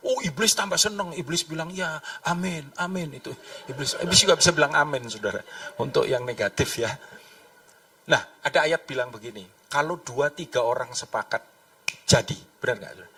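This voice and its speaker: A man preaching a lively, conversational sermon, acting out voices in his stories. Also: mid-range voice, a little fast, far from the mic. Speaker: pastor.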